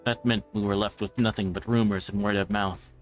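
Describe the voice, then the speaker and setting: A man's voice: lowish voice, level tone, brisk. A man reading a visual novel's narration aloud on a livestream, now and then stumbling over a word. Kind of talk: scripted narration read aloud live. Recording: background music.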